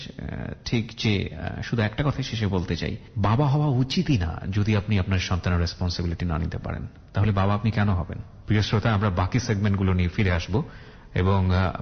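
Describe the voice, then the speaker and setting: Male radio host, earnest and reflective, low gravelly voice, lo-fi broadcast sound. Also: in a large hall. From Bangladesh. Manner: earnest, reflective, mixes English words into speech. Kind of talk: radio talk show commentary. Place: radio studio.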